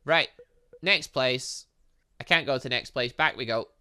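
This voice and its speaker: A man's voice: medium pitch, normal speed, clear, resonant tone. A man reading visual novel dialogue aloud as a gaming host, playfully breaking in with his own asides and reactions. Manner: animated, interjecting, playful asides.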